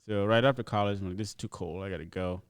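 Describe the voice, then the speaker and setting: A man's voice: lowish voice, racing, clean tone, no room sound, clean studio sound. A young man from Ethiopia, chatting easily as a comedian guest on a podcast and laughing often. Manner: easygoing storyteller, laughs often. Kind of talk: casual podcast chat.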